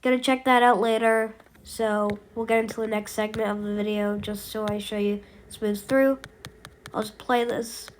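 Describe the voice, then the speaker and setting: A woman's voice: fairly high pitch, steady tone, normal speed, a little hiss or hum. A woman giving a casual storm update as an amateur weather forecaster, rambling and hesitant with many fillers, while she has a cold.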